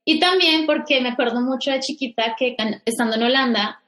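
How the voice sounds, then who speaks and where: A woman from Bogotá in her thirties with a Colombian accent, telling her story as a podcast guest, often pausing and restarting. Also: sits high. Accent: Bogotá Colombian Spanish. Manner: hesitant, restarts often, animated when quoting herself. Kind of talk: casual interview storytelling.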